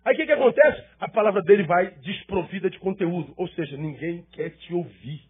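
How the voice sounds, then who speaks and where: Husky high-voiced male pastor preaching. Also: brisk, phone-quality sound. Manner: emphatic preaching, rhetorical questions and repetition. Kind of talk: sermon.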